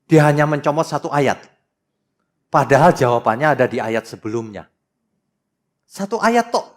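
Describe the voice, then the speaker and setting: Animated preaching man, lively pitch. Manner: animated, teasing, mocking asides to the congregation; reads scripture aloud slowly and dramatically. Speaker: pastor. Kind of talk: sermon.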